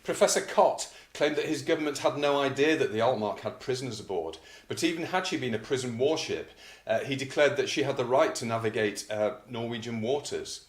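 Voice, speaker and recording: A man presenting and reading an old news article aloud in a measured, deliberate way, with casual commentary. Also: mid-range voice, expressive, roomy sound.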